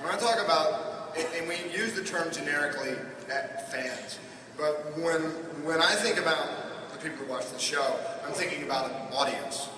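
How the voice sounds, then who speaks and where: A man's voice: on the high side, normal speed. Thoughtful man musing on a panel. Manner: thoughtful, searching for words. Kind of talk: reflective panel talk. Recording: echoey hall from far off, noise.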